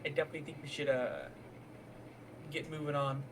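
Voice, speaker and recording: A man's voice: on the high side, steady tone, a little fast. A man chatting casually as a player in a tabletop game. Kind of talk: casual chat during a game. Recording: noisy, distant from the mic.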